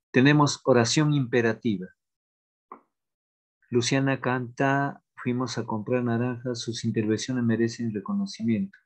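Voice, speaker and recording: A man at an ordinary middle pitch teaches a grammar lesson online. He talks haltingly, fills gaps with hesitations, and slowly repeats his example sentences aloud. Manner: halting, with many fillers and restarts. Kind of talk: online class explanation.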